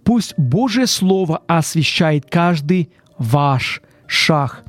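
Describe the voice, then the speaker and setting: A man's voice: on the high side, expressive, slow pace, dry recording. A man hosting a live Christian radio fundraising appeal, speaking earnestly, often repeating "friends" and restarting his phrases.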